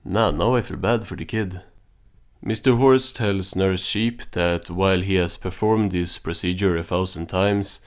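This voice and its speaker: A man's voice: low-pitched, unhurried, soft background music. A man narrating a casual recap and commentary as a reviewer, in an offhand, understated way.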